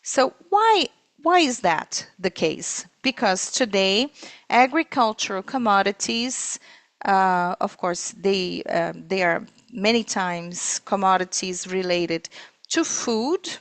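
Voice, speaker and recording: A woman interpreting live on a corporate earnings call, speaking in halting, piecemeal phrases. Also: medium pitch, animated, no room sound. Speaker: simultaneous interpreter.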